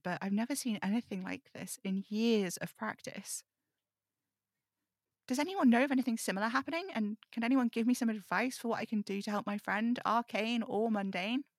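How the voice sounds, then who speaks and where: A woman's voice: mid-range voice, no echo, clean studio sound, close to an everyday voice. A woman playing a snarky, weary supernatural radio host in an audio drama, wry and brooding in manner. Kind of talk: audio drama table read.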